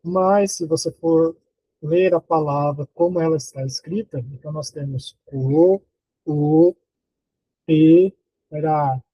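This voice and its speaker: A university teacher who speaks Brazilian Portuguese gives an online phonology lesson, slow and deliberate, counting syllables aloud and posing rhetorical questions to his students. His voice is on the high side, animated, creaky and dark, with no echo but poor audio.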